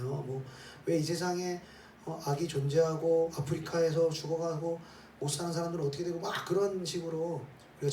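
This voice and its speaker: Male pastor, slightly high voice, roomy church room, a bit off the mic, faint hum behind, preaching with rhetorical questions. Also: warm tone. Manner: rhetorical questions with repeated "eh?" tags; leads the congregation in reading scripture aloud. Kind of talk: sermon. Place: church sanctuary. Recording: roomy hall, voice from some distance, faint ambience.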